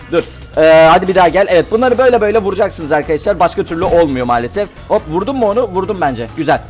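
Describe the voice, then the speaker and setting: A young man giving excitable Let's Play commentary, chatty and prone to frustrated outbursts. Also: high voice. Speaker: gaming YouTuber.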